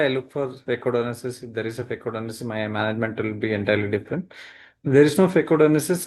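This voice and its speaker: A man's voice: medium pitch, a little mellow. A man with a South Asian accent, a medical examiner teaching and questioning insistently on a webinar call. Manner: insistent, repeats questions, checks with "correct?".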